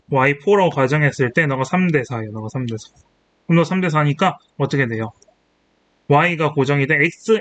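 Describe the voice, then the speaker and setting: A man's voice: medium pitch, fairly bright tone. A young man in his twenties tutoring chemistry, walking through exam problems and thinking aloud as he writes, checking in with rhetorical questions and correcting himself. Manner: self-correcting, thinking aloud while writing. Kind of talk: exam problem walkthrough lecture. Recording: faint hiss.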